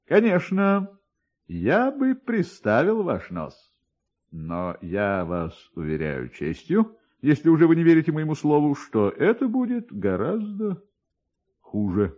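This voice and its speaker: Man playing an unctuous doctor, slow and swooping. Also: a little high, wildly swooping pitch, lo-fi sound, full character voice. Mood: unctuous, persuasive. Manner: courteous, unctuous, drawn-out persuasion. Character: smooth-talking, dignified, self-important male doctor. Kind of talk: classic literary radio dramatization.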